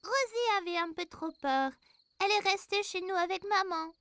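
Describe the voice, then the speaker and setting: An actor voicing an excitable four-year-old boy in a children's cartoon, eager and childlike in simple phrases. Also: extremely high pitch, normal speed, no echo. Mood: earnest. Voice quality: childlike, bright. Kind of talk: animated children's cartoon dialogue.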